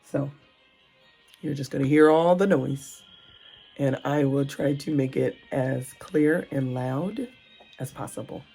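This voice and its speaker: A woman with a raspy, hoarse voice from a sore throat, rambling and thinking aloud in a casual vlog at home, filmed on a phone. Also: extremely low pitch, takes it slowly, mellow, faint music behind. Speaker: vlogger and mom entrepreneur. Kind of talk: casual talking-to-camera vlog. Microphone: phone on a tripod. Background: faint kids' show audio.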